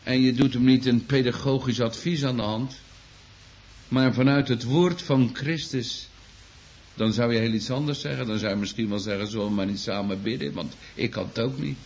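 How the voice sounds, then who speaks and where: Guy preaching a sermon, earnest, keeps restarting his sentences, dull lo-fi sound, middling pitch. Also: fairly even intonation, normal speed, a little mellow. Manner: earnest, exclaiming, repeats himself with restarts. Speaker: pastor. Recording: dull lo-fi recording.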